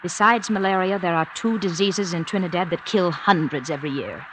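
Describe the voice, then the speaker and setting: A woman's voice: fairly low pitch, a little fast, natural voice. An actress playing a coldly ambitious, seductive woman in a 1950s radio drama, talking in an insistent, coaxing way. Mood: scheming. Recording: old radio broadcast with faint hiss.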